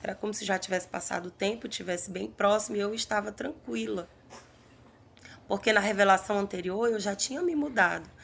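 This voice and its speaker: A woman, earnestly recounting a prophetic vision in halting, repeated phrases. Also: medium pitch, gravelly, a bit bright, a little hiss or hum. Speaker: prophetic preacher.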